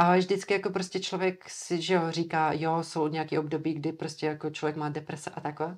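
A woman speaks at a moderate pace with hardly any pauses. Her voice is fairly low and her intonation monotone and flat. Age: 20s. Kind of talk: interview.

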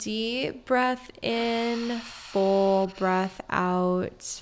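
A soft-spoken woman talks in a soothing tone with fairly even intonation. Light background noise can be heard. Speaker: breathwork facilitator. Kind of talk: guided breathwork, calm instructional counting; casual interview chat. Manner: soft, slow, soothing, measured. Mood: calm, soothing, gentle. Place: home room. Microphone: studio mic.

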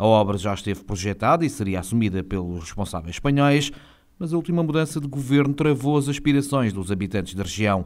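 Speaking at a fairly quick pace, a man with a medium-pitched voice and a European Portuguese accent swings his pitch very widely. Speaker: news reporter. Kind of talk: news reading. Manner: formal.

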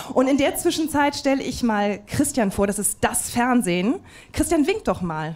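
At a moderate pace, a woman speaks with vocal fry and very wide pitch swings. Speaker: talk show host. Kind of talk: live talk show banter. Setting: club with live audience. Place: bar. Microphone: handheld.

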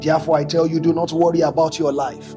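A man's voice with clear music in the background. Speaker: pastor preaching. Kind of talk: sermon. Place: church.

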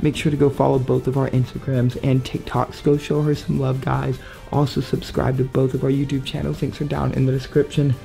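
A man at a fairly quick pace with monotone, flat intonation, over faint music in the background. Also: very even loudness. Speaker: vlogger. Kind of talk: casual vlog chat. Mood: worried, caring. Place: home room. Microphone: phone near.

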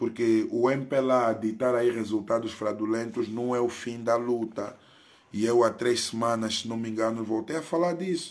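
A man with a medium-pitched voice speaks fairly slowly. The recording is very clean, with a silent background. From Angola. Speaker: political live streamer. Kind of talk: livestream political rant. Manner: animated.

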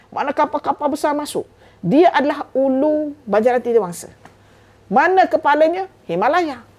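Lively intonation in a woman's high voice. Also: moderate pace. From Kelantan, Malaysia (Pasir Mas); Kelantan, Malaysia. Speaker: professor of Arabic language and literature; professor of Arabic language. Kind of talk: interview. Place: office.

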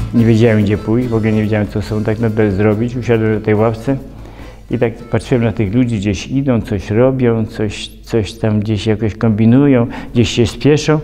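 Over music in the background, a man talks at a moderate pace with a medium pitch and fairly even intonation. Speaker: recovering alcoholic, formerly homeless. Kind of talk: personal testimony interview. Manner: casual, conversational.

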